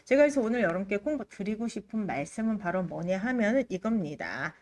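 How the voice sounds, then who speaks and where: A woman instructor hosts a live exam-prep lecture with very animated, swinging intonation. She speaks at a medium pitch in an emphatic, conversational manner. Her throat is a little under the weather from allergies. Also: brisk. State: allergy-affected throat, occasional coughing. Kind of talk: livestream lecture, addressing students.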